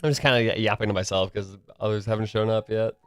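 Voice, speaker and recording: Faint music plays behind a young adult man streaming on his own, whose voice sounds slightly congested and nasal from a cold and weary from the morning. He talks quickly in a low, steady, clean voice with no room sound. His delivery rambles, full of fillers and restarts.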